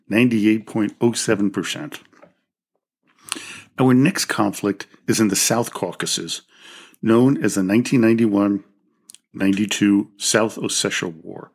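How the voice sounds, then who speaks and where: A man's voice: lowish voice, husky. A man hosting a history podcast, reading a scripted narration with the odd slip and self-correction. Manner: reads from a script with small slips and self-corrections. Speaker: podcast host.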